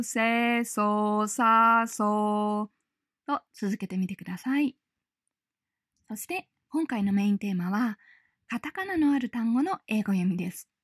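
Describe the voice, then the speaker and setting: A woman teaching pronunciation in a scripted lesson preview, clear and patient, drawing out sample sounds slowly and switching between Japanese and English. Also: a little high, a little mellow, no echo, clean studio sound.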